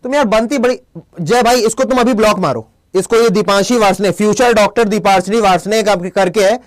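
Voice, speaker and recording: High-pitched playful Hindi-accented male teacher. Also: brisk. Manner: playful, scolds chat commenters. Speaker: online English teacher. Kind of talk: live class with quiz questions.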